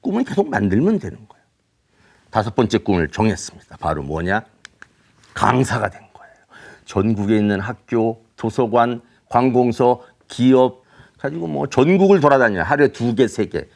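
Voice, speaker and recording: A middle-aged man speaking as an author to young students, telling a story in an animated way and asking rhetorical questions. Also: mid-range voice, normal speed, vocal fry. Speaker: children's author giving a talk. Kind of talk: motivational lecture to students.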